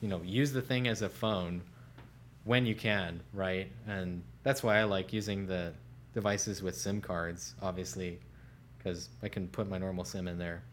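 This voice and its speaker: Relaxed low-voiced man on a podcast. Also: a little slow, a little hiss or hum. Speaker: senior smartphone editor, co-host. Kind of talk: casual tech podcast chat.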